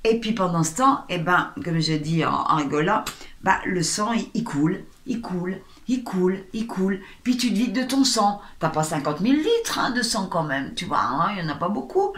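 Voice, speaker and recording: A woman speaking as a guest, a sound healer and spiritual guide, animated and acting out little everyday scenes, with slow, drawn-out phrasing. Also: lowish voice, echoey room. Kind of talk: interview guest.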